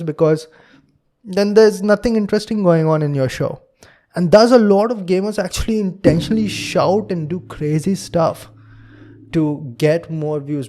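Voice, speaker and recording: Podcast host, young man, Indian English accent, warm tone, earnest lecturing delivery. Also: a little high. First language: Hindi. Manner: earnest, lecturing, acts out quotes in a raised voice. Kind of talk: solo podcast monologue.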